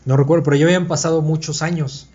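A man's voice: fairly high pitch, steady tone, racing, darkish tone. A man leads a conversational Bible study for a small group. He thinks aloud and keeps checking that his listeners are following. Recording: dull lo-fi recording.

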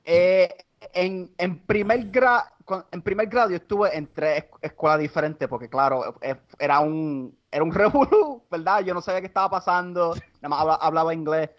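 Halting Puerto Rican man, slightly high. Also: dull audio. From Puerto Rico. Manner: halting, many restarts, slips into English. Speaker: guest comedian. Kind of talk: casual podcast chat.

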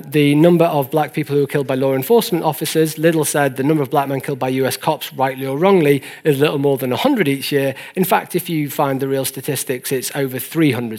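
A man's voice: on the high side, darkish tone. A man lecturing in an earnest, didactic way, stressing key points as he explains figures to an audience. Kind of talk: explanatory presentation of statistics to an audience.

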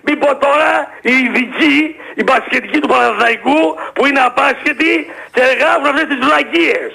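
A man playing a cranky older male basketball-fan caller who shouts and rants in a radio comedy sketch. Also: very high voice, vocal fry, husky, heavily acted, rough recording. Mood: shouting rant. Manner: shouting, ranting, insulting.

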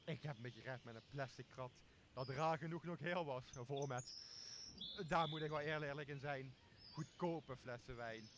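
A man's voice: medium pitch, normal speed, noisy background, natural voice. A young man playing a boozy, blustering, greedy castaway in a Shakespeare radio play, with a coarse and bossy manner. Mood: boisterous. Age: young adult. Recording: clear outdoor nature sound behind voice.

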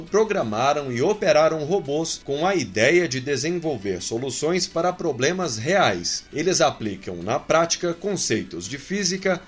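A man reading a scripted radio news report in a measured, formal delivery. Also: fairly high pitch, husky.

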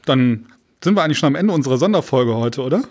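A man's voice: medium pitch, expressive, quick pace, a little mellow. A man co-hosting a podcast in a casual, chatty style. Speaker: podcast co-host.

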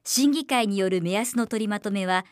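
A middle-aged woman voiceover professional reading scripted narration with polished, clearly articulated delivery. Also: medium pitch, normal speed, no echo. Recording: dry studio voice recording.

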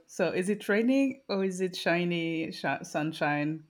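Woman interview host, slightly low voice, short prompting replies. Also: expressive, measured pace. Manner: brief prompting responses. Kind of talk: casual interview hosting.

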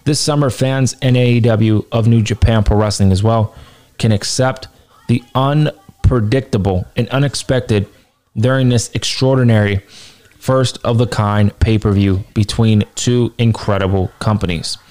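Man, scratchy tired voice, lowish pitch, emphatic, news-reading vlogger. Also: steady tone, measured pace, darkish tone. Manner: emphatic, repeats points for stress. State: hoarse, tired voice. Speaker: wrestling news commentator. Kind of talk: reading an announcement, then giving his opinion.

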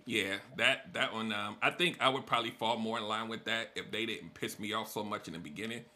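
A man's voice: on the low side, a little fast. A man hosting a podcast, chatting casually and speaking in a candid, plainspoken way. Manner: candid, plainspoken, lively storytelling. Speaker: podcast host.

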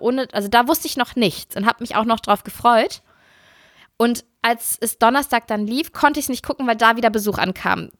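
A woman co-hosting a podcast, telling stories in a casual, animated way and laughing often. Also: fairly high pitch, dry recording, clean studio sound. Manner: animated storytelling, acts out her sisters' voices. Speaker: podcast co-host.

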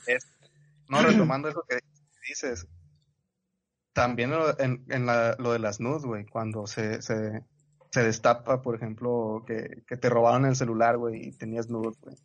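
A man's voice: medium pitch, fairly even intonation, measured pace, pauses often. A man with a Mexican accent chatting casually on a podcast, laid-back and full of slang. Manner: laid-back slangy talk, peppers sentences with "güey".

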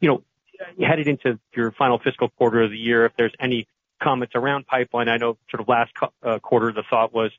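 A man's voice: mid-range voice, fairly even intonation, a little fast. A man asking questions on a conference call over a bad phone connection, hesitant and full of fillers. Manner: hesitant, many fillers and restarts. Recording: tinny dry phone line.

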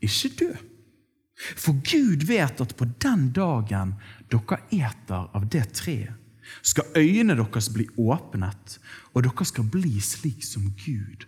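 A man voicing a sly, tempting male serpent in a sermon retelling, smooth and insinuating. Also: medium pitch, sing-song, darkish tone, in a large hall.

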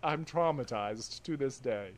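A woman's voice: extremely low pitch, animated, a little slow. A young adult woman co-hosting a podcast, chatting casually and telling stories with frequent laughter. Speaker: podcast co-host. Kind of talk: casual chat.

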